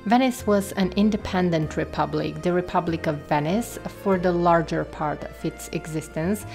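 A woman with a lowish voice talks over her travel footage, full of admiration for what she shows. She speaks in a vlogger's casual voice-over with the odd "um", and soft music plays underneath. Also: gravelly. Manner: enthusiastic and admiring, with frequent "um" fillers. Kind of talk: travel vlog voice-over narration.

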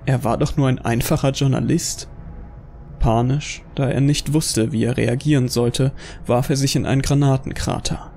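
A man narrating a dark audio drama from a script, as the storyteller. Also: medium pitch, steady tone, moderate pace, creaky, soft background music.

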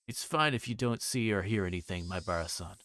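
Man reading as low-voiced bulky police detective. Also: brisk, a bit bright, slight background noise. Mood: politely insistent. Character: bulky vulgar police detective, unpleasantly polite.

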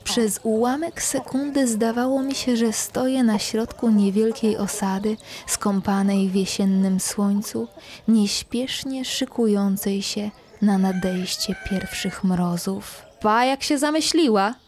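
Hushed, mellow woman narrating a scary story. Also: mid-range voice, steady tone. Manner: slow and hushed, often whispered. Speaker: podcast host reading her own story. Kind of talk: scripted horror story narration.

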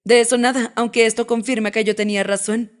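A woman's voice: on the high side, fairly even intonation, fast, natural voice. A woman doing Striker, cocky teasing male pilot. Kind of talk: audiobook character voice.

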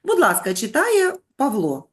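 A woman's voice: sits high, huge pitch swings, unhurried. A woman teaching young children on a video call, patient and coaxing, praising them with pet names. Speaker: primary school teacher. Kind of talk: online lesson for young children.

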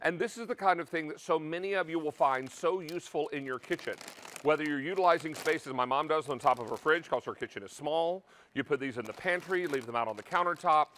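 A man's voice: a little high, fairly quick, a bit bright, a little hiss or hum. A middle-aged man hosting a live shopping-channel cooking show, counting down stock and deadlines in an upbeat way. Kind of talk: live home shopping sales talk. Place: large TV studio kitchen set.

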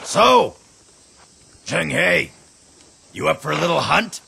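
Raspy, gravelly game archer general, bright and rough. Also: male voice, on the high side, lively intonation, takes it slowly, exaggerated voice. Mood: confident. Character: proud veteran male archer general. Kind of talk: video game cutscene voice acting.

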